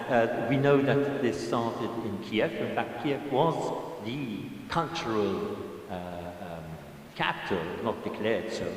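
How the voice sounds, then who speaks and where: This older audience member, in his seventies, talks from a distance in a reverberant hall with no microphone, wandering through a digressive comment at a lecture. His pitch sits fairly low, and his delivery is halting, full of restarts and side remarks. There's a touch of background noise.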